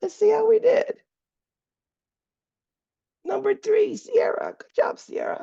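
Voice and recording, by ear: In a put-on character voice, the speaker talks at a fairly slow pace with an extremely high, squeaky, raspy pitch and long, frequent pauses.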